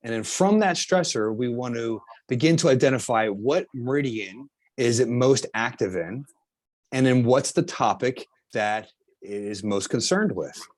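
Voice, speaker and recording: A middle-aged man with a South Jersey accent, a chiropractor explaining his healing technique in an interview, halting and restarting as he talks. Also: medium pitch, animated, no echo. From New Jersey. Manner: halting, with frequent restarts and fillers. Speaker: chiropractor and healer, guest.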